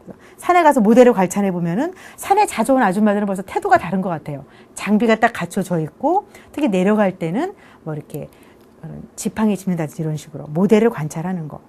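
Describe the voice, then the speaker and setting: A middle-aged woman lecturing for an online course, her pitch rising and falling a great deal as she talks. Her tone is warm and mellow. She keeps asking her listeners questions and then answers them herself. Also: sing-song, quick pace. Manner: conversational, keeps asking "그죠?" for agreement.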